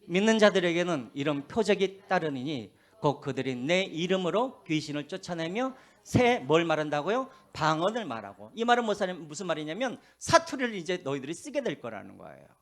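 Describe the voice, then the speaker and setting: A pastor preaching a sermon, telling stories with a lively voice and dropping to quiet asides, with a faint Jeolla accent. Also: male voice, on the high side, brisk, hardly any pauses. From Korea, Gwangju. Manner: animated storytelling, drops to hushed asides. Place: church.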